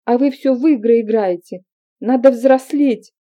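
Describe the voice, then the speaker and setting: A woman's voice: a little high, unhurried, natural voice. Woman voicing a furious tearful young woman. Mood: angry, tearful. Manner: sharp, accusing outbursts. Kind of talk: audiobook character reading. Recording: dull lo-fi recording.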